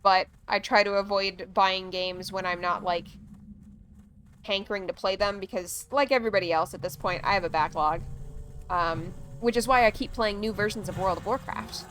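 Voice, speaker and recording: A woman's voice: medium pitch, normal speed, fairly bright tone. A woman chatting casually on a gaming livestream, rambling along with plenty of "like" and "um". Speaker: streamer.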